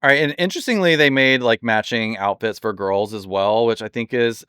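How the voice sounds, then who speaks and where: A man chatting casually and enthusiastically in a product review, rambling with lots of fillers, his voice slightly hoarse from overuse. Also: mid-range voice, fairly quick, a bit bright, dry recording, clean studio sound. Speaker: doll collector reviewing products.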